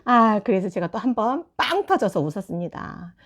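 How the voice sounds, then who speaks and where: A woman in her forties, a tutor of a small study room, casually telling stories and acting out what parents said to her. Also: moderate pace. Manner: animated, acts out quoted parents in higher voice, laughs often. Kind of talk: casual storytelling vlog.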